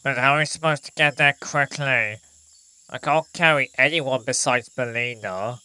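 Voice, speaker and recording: A man's voice: mid-range voice, normal speed, bright, forceful tone, smooth, no echo. A man playing a level-headed, encouraging flying hero with a matter-of-fact manner in an amateur audio drama.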